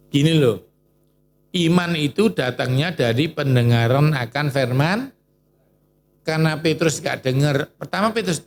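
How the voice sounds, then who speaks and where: Man preaching a lively sermon. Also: mid-range voice, a little hiss or hum. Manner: lively preaching, questions to the congregation.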